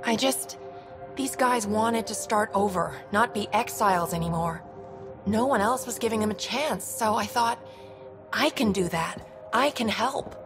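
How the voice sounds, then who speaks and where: A woman's voice: medium pitch, unhurried, music in the background, close to an everyday voice. A woman voicing an eager, defiant young alien little sister in a video game, earnest and defensive. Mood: shaken, earnest. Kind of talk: dramatic video game acting.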